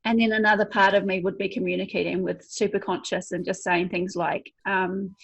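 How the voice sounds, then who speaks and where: A middle-aged woman with a New Zealand accent talks as a guest on a podcast. Her voice sits at an ordinary mid pitch, and her delivery is easygoing, with frequent ums and light laughs. She explains her work in a conversational way. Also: brisk, vocal fry, slightly rough. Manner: relaxed, with many fillers and a light laugh. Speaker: guest, hypnotherapist. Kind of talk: casual conversational interview.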